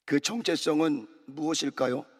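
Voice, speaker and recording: A pastor with a little high voice keeps a moderate pace as he exhorts his congregation at an early morning service, calling for amens and repeated phrases. The recording carries the long reverb of a large church sanctuary.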